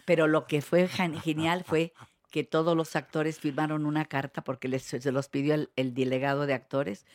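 An older guest actress with a deep voice tells anecdotes in a casual chat at normal speed, recorded without room sound. A lively storyteller, she laughs often and restarts her sentences many times.

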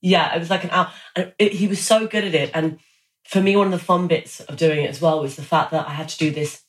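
A man's voice: fairly high pitch, fairly even intonation, fast. A man chatting casually and enthusiastically as an actor being interviewed, telling anecdotes and quoting himself. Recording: roomy echo, background noise.

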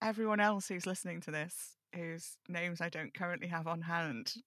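Bright, playful woman chatting casually. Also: lowish voice, normal speed, dry recording, studio quality. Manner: playful, informal, rambling. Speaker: audio drama cast member at a table read. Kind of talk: casual joking chat.

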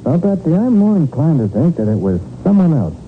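A man playing a shrewd, decisive private detective in a 1940s radio drama, brisk and probing. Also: a little high, sing-song. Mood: assured. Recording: scratchy, narrow-band 1940s radio recording.

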